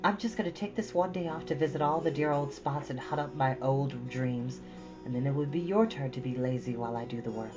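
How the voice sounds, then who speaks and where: A woman voicing an eager, earnest teenage girl, hopeful and tender, in an expressive storybook reading. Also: a bass voice, brisk, lo-fi sound, music in the background. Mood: tender, caring.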